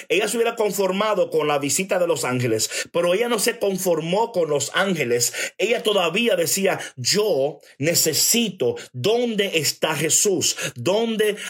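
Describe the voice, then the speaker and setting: A man preaching a sermon, emphatic, repeating phrases for stress and turning to his listeners with quick "okay?" check-ins. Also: high-pitched, slightly rough. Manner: addresses listeners directly, checks in with "ok?".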